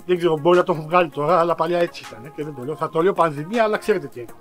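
A man vlogging in a casual storytelling style, animated and self-mocking, who talks straight to his viewers with slang and big exaggerated outbursts. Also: fairly high pitch, soft background music.

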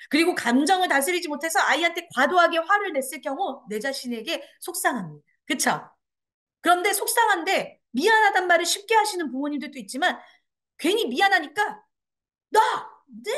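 A woman's voice: high voice, a bit bright. A woman teaching a parenting class, acting out dialogue in exaggerated voices and quizzing her audience. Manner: asks the audience questions and answers them. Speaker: parenting education lecturer. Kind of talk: lecture to parents and children.

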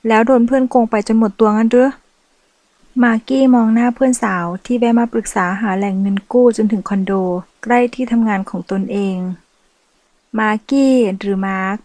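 A woman calmly narrating a novel. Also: medium pitch, no room sound. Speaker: audiobook narrator. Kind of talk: scripted narration.

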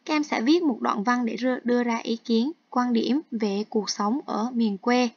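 A woman's voice: fairly high pitch, fairly even intonation, moderate pace, a little mellow, dry recording. A woman English teacher explaining textbook exercises step by step in an online lesson, mixing in English terms. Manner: explains each task step by step, switching between Vietnamese and English terms. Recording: dull, dry lo-fi recording.

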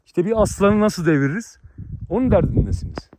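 A man's voice: high voice, lively intonation, fairly quick, background noise. A man vlogger, delivering a heated, boastful rant with crude insults at his viewers.

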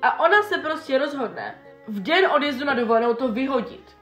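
A young woman vlogger chatting in an animated, exasperated way while doing her makeup. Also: high voice. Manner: animated, exasperated retelling with quoted dialogue. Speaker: beauty vlogger. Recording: echoey room with faint background music.

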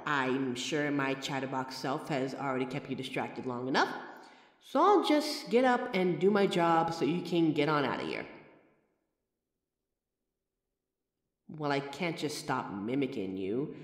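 A woman's voice: deep voice, darkish tone. A woman voicing the listener's own mirror reflection, a chatty, friendly female figure who talks with reassuring, self-aware rambling in a comfort roleplay. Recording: roomy echoey recording with long reverb.

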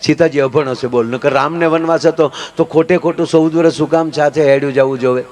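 A man performs live folk comedy, his voice pitched a little high. He tells his stories animatedly and slips into other voices for his characters. He often turns to the listeners and calls them sir. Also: steady tone, fast talker, a little mellow.

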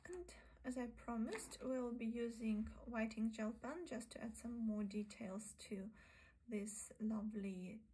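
A woman teaching a sketching lesson, narrating calmly and often half-whispering while she draws at a desk. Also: a little high, measured pace, slight background noise, rough recording. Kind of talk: soft-spoken drawing tutorial. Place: indoors at a desk, overhead camera on the sketchbook.

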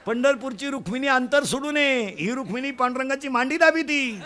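High-voiced man preaching a comic sermon. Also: brisk. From Maharashtra. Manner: animated, loud bursts, mimics village folk. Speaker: kirtan preacher.

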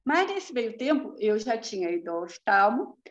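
A woman's voice: fairly high pitch, sing-song, moderate pace, lo-fi sound. A woman tells a testimonial story in a chatty way, laughing often and adding tag questions, over a video call. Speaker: therapy practitioner giving a testimonial.

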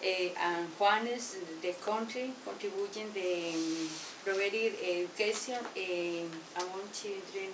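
An older woman from Colombia with a Colombian Spanish accent, giving a halting show and tell in English from a paper, slipping into Spanish words. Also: medium pitch, background noise. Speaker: adult English learner. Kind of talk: classroom show and tell presentation. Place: small classroom. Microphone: far camera. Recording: roomy classroom from far off with clicks.

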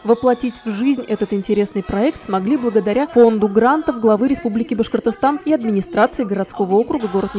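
Mellow female news narrator, slightly high voice.

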